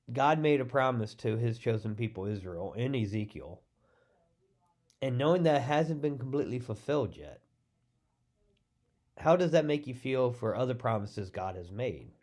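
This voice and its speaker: A middle-aged man, a pastor, giving an informal sermon teaser in a congested voice, with a halting delivery full of restarts and ums. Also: medium pitch, expressive, a little mellow.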